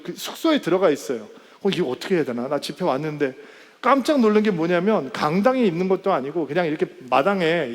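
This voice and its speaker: A male pastor telling a story in a sermon, animated and acting out the quoted voices. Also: high-pitched. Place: church sanctuary. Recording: church hall with long reverb.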